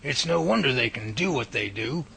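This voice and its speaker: A man plays a confident, good-humored professor in a radio drama. The voice is bright and forceful with heavy creak, folksy and explanatory, over faint background noise. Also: mid-range voice, expressive, moderate pace, rough recording. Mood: amazed. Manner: folksy, explanatory, take-charge.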